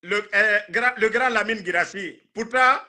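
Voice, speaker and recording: A man's voice: high voice, measured pace, pushed and bright. A man in his thirties with a Guinean accent, talking politics on a live stream in an emphatic, indignant, repetitive way. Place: indoor room, video call.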